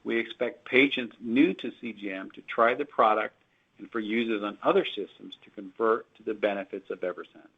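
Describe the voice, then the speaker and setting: A company executive reads prepared earnings call remarks steadily and formally, slipping up now and then. His voice sits on the low side, moves a little fast, and carries vocal fry and a breathy edge. The conference call audio is dull and lo-fi.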